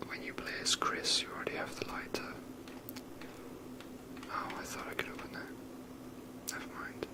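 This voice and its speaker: A person whispering softly and breathily in a casual, rambling ASMR commentary while playing a video game. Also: moderate pace.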